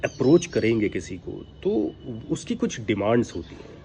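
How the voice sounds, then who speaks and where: A man's voice: medium pitch, big pitch swings, normal speed, creaky, warm tone. A man giving informal instructional talk as a voice-over coach, emphatic and admonishing, with rhetorical questions. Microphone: built-in device microphone, no mic attached. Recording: background noise, recorded without external microphone. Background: ambient noise from outside.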